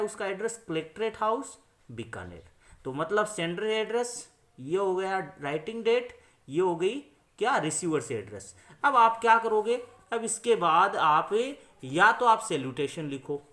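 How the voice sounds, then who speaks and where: A man's voice: high voice, a bit bright. Man teaching, question-and-answer delivery. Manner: didactic, repetitive, asks questions and answers them himself; switches between English phrases read slowly and explanation. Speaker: English teacher. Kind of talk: classroom-style lesson explanation.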